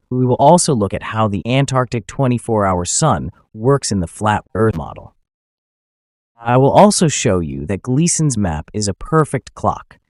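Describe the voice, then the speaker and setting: A man's voice: lowish voice, a little mellow, no echo, clean studio sound. Man narrating an app tutorial. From Finland. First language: Finnish. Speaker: YouTube channel host.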